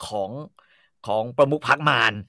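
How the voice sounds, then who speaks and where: A man telling a story in a casual chat, animated and full of crude slang, acting out bits of dialogue. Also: normal speed, no echo, studio quality. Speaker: storyteller host.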